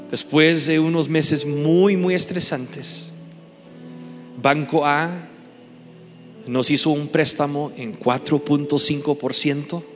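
A male pastor preaches to his congregation, telling a story and acting out both sides of each phone call. His voice sits a little high for a man. The sound rings with the long reverb of a large hall, with soft music faintly underneath. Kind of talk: sermon storytelling.

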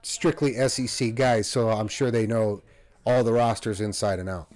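A man's voice: lowish voice, fairly even intonation, normal speed, a little mellow, dry recording. A man co-hosting a podcast, chatting casually about sports in a rambling, self-correcting way. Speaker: podcast co-host.

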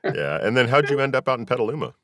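A man's voice: medium pitch, sing-song, rapid-fire, fairly bright tone, dry recording, studio quality. A man hosting a podcast, talking casually as he interviews his guests.

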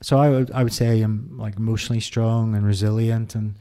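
A middle-aged man with an Irish accent opens up as an interview guest in a candid personal conversation. His mellow, low-key voice keeps a fairly even intonation, and he reflects haltingly, with restarts and frequent ums.

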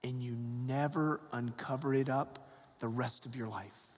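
A man from Georgia, a Catholic priest, reads the gospel slowly and then preaches in a chatty way, asking "right?" as he goes, in a cathedral echo. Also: mid-range voice, fairly even intonation. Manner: slow, measured reading, then chatty homily with "right?" asides. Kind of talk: gospel reading and homily. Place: large church. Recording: long church reverb, cathedral echo.

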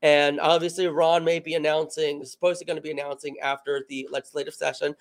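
A young man co-hosting a casual political chat in a bar, talking easily and chiming in with quick agreements. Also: a little high, little pitch movement, slight background noise. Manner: chatty, chimes in with quick agreements. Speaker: co-host.

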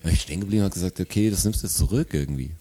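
A man's voice: low voice, rapid-fire. A man telling a story in casual chat, acting out arguments. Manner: animated storyteller, acts out quarrels.

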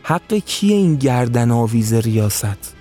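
A man voicing a scheming, powerful male tribal chief who speaks calmly and calculatingly in an audio story. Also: mid-range voice, soft background music. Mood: pressing.

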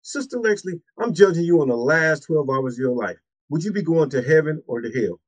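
Husky-voiced man hosting a faith interview. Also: on the high side, expressive, a little fast, no echo, poor audio. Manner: repeats amens and greetings, preacher's cadence. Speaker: minister and interview host.

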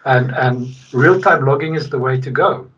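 A man's voice: medium pitch, normal speed, fairly bright tone, slightly rough. A man from South Africa with a South African accent, talking conversationally as an interview guest, emphatic and repeating key points for weight. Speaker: podcast guest, logistics technology executive. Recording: distant, slightly muffled mic.

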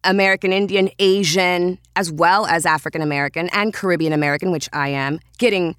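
Low-voiced woman, earnest, dry close mic. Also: steady tone, a little fast, fairly bright tone, clean tone, no room sound. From Trinidad. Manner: earnest, talks through ideas with frequent restarts. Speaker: voice-over artist guest. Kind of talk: casual podcast interview.

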